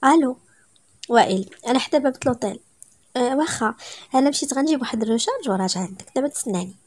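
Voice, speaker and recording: A woman with a Moroccan accent reading a romance story aloud, briskly voicing each character in turn. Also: high-pitched, animated, a little mellow, slightly rough.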